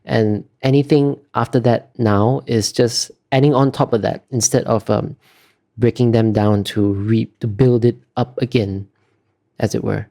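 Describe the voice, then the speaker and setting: A man's voice: medium pitch, steady tone, unhurried, warm tone. A man giving casual, thoughtful interview answers as an artist, often hesitating as he searches for the right words.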